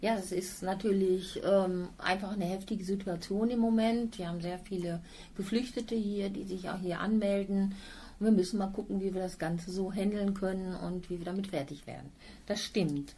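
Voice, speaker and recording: A woman's voice: mid-range voice, steady tone, moderate pace, mellow, slight background noise. A woman hosting a local charity radio show, interviewing guests in a friendly, encouraging way.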